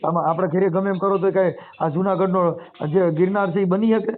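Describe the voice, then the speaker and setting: High-pitched Gujarati man lecturing over the phone. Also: steady tone, brisk. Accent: Gujarati, Saurashtra. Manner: emphatic, lecturing, asks rhetorical questions. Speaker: caller explaining his rationalist views. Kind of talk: animated phone discourse in colloquial speech. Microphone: telephone. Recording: muffled narrow-band phone call recording.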